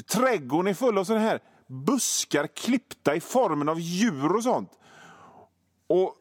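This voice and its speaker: A middle-aged radio host spins absurd made-up stories, swearing and swinging his delivery widely for comic effect. His voice is on the high side, and the recording is clean studio sound with no room sound.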